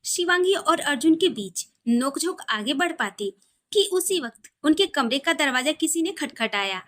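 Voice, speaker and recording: High-pitched woman narrating romantic fiction. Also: animated, moderate pace, a bit bright. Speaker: storyteller. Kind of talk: scripted romantic story narration.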